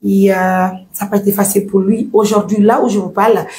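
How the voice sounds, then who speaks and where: Woman, humanitarian vlogger; gentle coaxing delivery, mid-pitched, faint background noise. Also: steady tone, fast. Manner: soothing, coaxing, often dropping to a whisper. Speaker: humanitarian journalist. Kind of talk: emotional vlog update.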